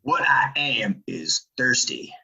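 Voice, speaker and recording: Man as gravelly, slow, surly Western colonel. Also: medium pitch, expressive, pushed and bright, dull audio, heavily acted. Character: gruff, surly, thirsty colonel. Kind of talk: Western audio play acting.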